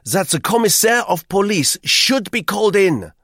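A man's voice: high-pitched, very animated, normal speed, a bit bright, dry recording, studio quality, voice pushed up, full character voice. A man voicing an insistent, fussy bearded French businessman who urges action emphatically.

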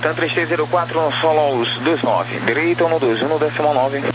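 A man's voice: fairly high pitch, brisk. A man with a Brazilian accent giving clipped air traffic control instructions over radio. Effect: radio transmission. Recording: noisy aviation radio with hum.

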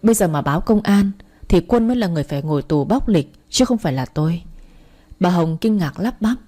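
A woman's voice: on the low side, lively intonation, fairly quick, dark tone. A woman reading a dramatic first-person story as narrator.

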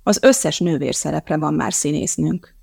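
Reader doing confused tv producer guy, stammers, hesitant, slow. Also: medium pitch, vocal fry, darkish tone, slightly rough, dry recording, studio quality. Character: flustered male TV producer.

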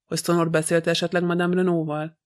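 A man voicing a polite, fussy elderly detective in a flat, even reading. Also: a little high, natural voice. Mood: courteous.

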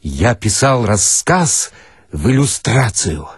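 Very husky, expressive male storyteller. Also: fairly low pitch, dry recording, clean studio sound. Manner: theatrical, expressive, with deliberate pauses. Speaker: narrator, reader of literary stories. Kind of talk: dramatic first-person reading of satirical short stories.

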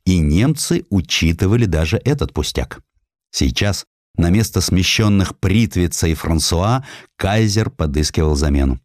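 Male narrator, low register, close dry sound; measured, expressive storytelling for historical literature. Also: no room sound. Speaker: audiobook narrator. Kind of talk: dramatic scripted narration of historical prose.

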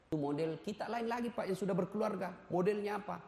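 A male preacher gives a lively, humorous sermon, teasing the audience and urging them on. His voice sits high for a man. Everything rings with the long reverb of a large hall. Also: fast talker. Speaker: ustadz, preacher.

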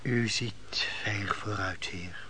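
An actor playing a calm, courteous host to a defeated lord in a radio play, measured, hushed and deferential. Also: male voice, lowish voice. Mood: quiet, deferential. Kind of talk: Dutch radio play acting. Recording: noisy old radio play recording.

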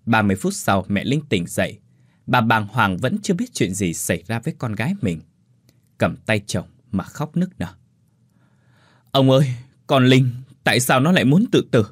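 A man narrating a dramatic ghost story in an animated, lively way, putting on voices for the characters. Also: on the low side, slightly rough, dry recording, studio quality.

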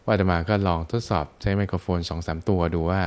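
A man's voice: sits low, fairly even intonation, quick pace, a little mellow. A man, a monk, explaining teachings on a radio show through everyday examples in an informal way. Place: radio studio.

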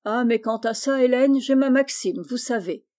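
A woman's voice: a little high, normal speed, a little mellow, close to an everyday voice. A woman reading the part of a hearty, generous older male farmer in a storybook, jovial and exclaiming.

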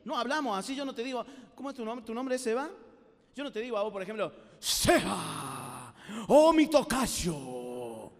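Animated high-voiced preacher in a hall. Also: male voice, very fast. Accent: Rioplatense Spanish. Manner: animated storytelling with acted-out voices. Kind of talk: lively youth sermon. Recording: live sermon with long hall reverb.

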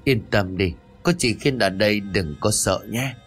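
A protective village matriarch speaks firmly, then soothingly, in a low, even voice, as a male narrator puts her on. Faint music plays under this spoken ghost story. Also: normal speed, natural voice. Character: worried, protective middle-aged village matriarch.

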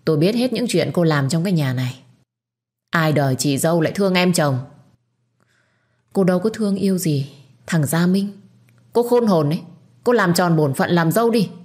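A woman's voice: lowish voice, expressive, fairly quick, lightly acted. A woman voicing a stern older matriarch who scolds and commands her household in an audio story. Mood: furious.

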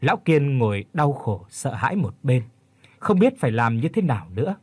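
A man narrates a horror story, telling it with dramatic, expressive delivery. His pitch moves freely and his voice has a slight huskiness. The recording is dry and close. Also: moderate pace, breathy edge, dry recording.

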